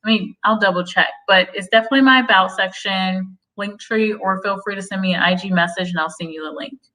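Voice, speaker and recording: A woman's voice: medium pitch, a little fast, sharp tone, recorded from a distance, low-quality recording. A woman hosting a casual livestream, reading viewer comments aloud, chatty and prone to tangents, with frequent laughs. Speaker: host of a career-advice livestream.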